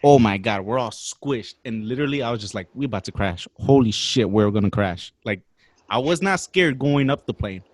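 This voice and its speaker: A man in his twenties casually telling a story on a podcast, animated and slangy, swearing freely. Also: mid-range voice, normal speed, no echo. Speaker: podcast guest.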